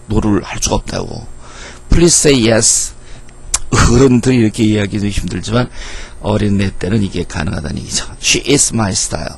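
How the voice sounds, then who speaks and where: A middle-aged man teaching English grammar in a lively lecture, asking questions and answering them himself. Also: lowish voice, a little fast, creaky, few pauses, slightly rough. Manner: lively, asks and answers his own questions.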